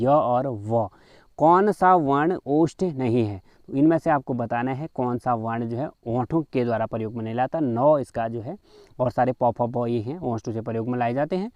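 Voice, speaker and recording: A man teaches a grammar lesson as a quiz, reading each question aloud before explaining the answer, using frequent fillers and calling his viewers friends. His voice is medium-pitched and a little mellow, with no room sound.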